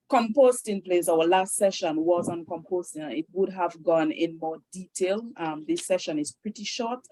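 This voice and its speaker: Lowish, dry-sounding woman moderating. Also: darkish tone, dry recording, rough recording. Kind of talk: moderating an online session.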